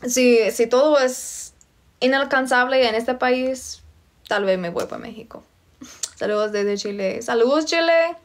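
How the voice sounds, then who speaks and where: Speaking a little slowly in a fairly high voice, a young woman from Virginia hosts a laid-back livestream at home. She keeps her phone close, greeting viewers by name and reading and responding to what they comment.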